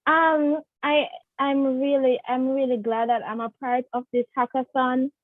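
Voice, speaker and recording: A woman's voice: high voice, flat delivery, measured pace, dry recording. A woman from Jamaica, a hackathon participant sharing grateful, hesitant feedback on a video call. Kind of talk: casual spoken feedback. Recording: tinny phone-like call audio.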